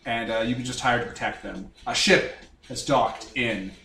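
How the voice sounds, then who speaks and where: A man's voice: mid-range voice, moderate pace, pushed and bright, roomy sound, far from the mic, soft background music. A man running a tabletop game as game master, setting scenes with wry, jokey narration.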